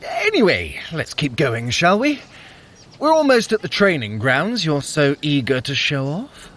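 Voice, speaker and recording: A man's voice: a little high, sing-song, unhurried, fairly bright tone, heavily acted. An actor playing a sly, haughty trickster god in an audio drama, theatrical and sarcastic, drawling his words. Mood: evasive.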